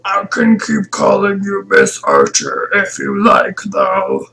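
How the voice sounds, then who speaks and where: A woman voicing a wistful aristocratic ice queen from a visual novel, in a strained, gravelly voice with slow, drawn-out delivery. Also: medium pitch, wildly swooping pitch, a bit bright, a little hiss or hum, exaggerated voice. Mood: wistful, teasing. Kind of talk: hammy visual novel character read-aloud.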